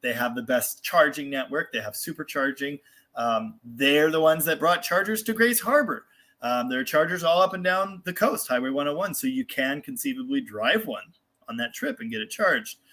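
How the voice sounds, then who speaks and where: A man's voice: a little high, lively intonation, normal speed, bright, forceful tone. An American man hosting a casual live car show, answering viewer comments in a rambling, candid, self-deprecating way. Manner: mild swearing.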